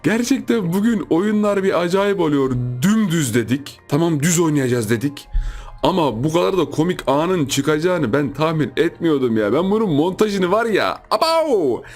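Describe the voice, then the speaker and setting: A man hosting a gaming channel, giving lively gameplay commentary, repeating himself and yelping in surprise while chatting to his viewers. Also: a little high, normal speed, faint music behind. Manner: excitable, repeats phrases, shouts in surprise; chatty, addresses viewers as friends.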